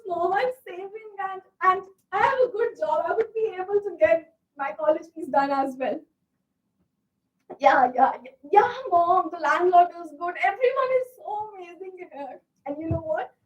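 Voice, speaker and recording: A woman acting as a struggling young student in a stage play, her very high voice pleading and breaking as she stammers over her words. She sounds set back from the mic across a stage. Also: distant mic, rough recording. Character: struggling young female international student, desperate. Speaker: stage actor in a one-act play. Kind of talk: live stage monologue.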